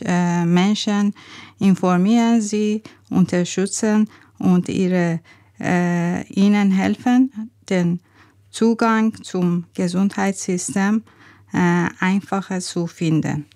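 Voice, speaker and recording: Woman guest with an Iranian accent, slow and hesitant, dry close sound. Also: mid-range voice, dark tone, no room sound. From Iran. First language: Farsi and Azeri. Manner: halting, with frequent fillers and pauses. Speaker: health navigator guest. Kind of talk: radio interview.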